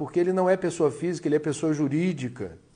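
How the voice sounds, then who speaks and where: At a fairly quick pace, a man talks in a normal speaking voice with a fairly high pitch. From Brazil, Rio de Janeiro. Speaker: journalist and live-stream host. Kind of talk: live-stream commentary. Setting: home live stream.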